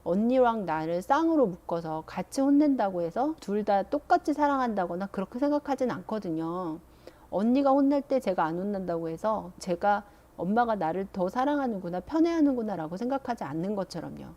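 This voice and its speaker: A woman's voice: medium pitch, animated, dark tone, muffled recording, close to an everyday voice. A woman voicing an aggrieved teenage girl. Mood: resentful. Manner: slow, aggrieved complaining. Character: resentful teenage girl scolded alongside her sister.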